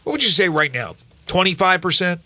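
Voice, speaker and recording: Bright-voiced stuffy radio host. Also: male voice, high voice, expressive, brisk, no echo. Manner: upbeat and chatty, reads ads and weather. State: stuffy and cold. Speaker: radio sports show host. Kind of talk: sports radio talk. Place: radio studio.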